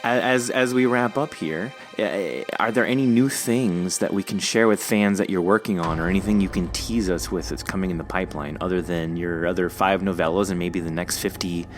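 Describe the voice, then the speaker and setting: A man's voice: sits low, fairly quick, few pauses, faint music behind. A man hosting an interview podcast, chatting informally with an effusive, encouraging manner. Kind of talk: casual interview chat.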